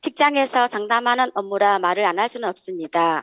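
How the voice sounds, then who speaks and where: A woman's medium-pitched voice with a strong Gyeongsang accent, dry and close with no echo. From Korea, Gyeongsang region. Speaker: counselor, audience questioner. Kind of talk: reading a prepared question. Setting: hall with audience. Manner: fast.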